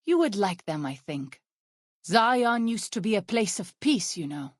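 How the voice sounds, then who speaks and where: Woman playing a solemn, gentle tribal scout, dry close sound. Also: mid-range voice, no room sound, lightly acted. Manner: measured, formal phrasing without contractions, earnest. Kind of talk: video game character dialogue.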